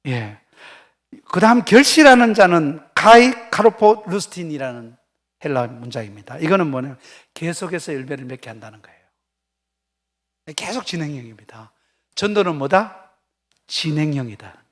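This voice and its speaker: A man's voice: on the high side, animated, moderate pace, pauses often, a bit bright. An older man preaching a revival sermon as a pastor, telling stories with acted quotes and questions put to the congregation. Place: church sanctuary.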